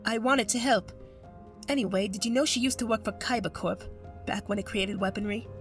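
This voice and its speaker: A woman's voice: medium pitch, brisk, soft background music, close to an everyday voice. A woman playing an earnest, concerned and clever young boy in an audio drama. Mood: earnest, cautioning.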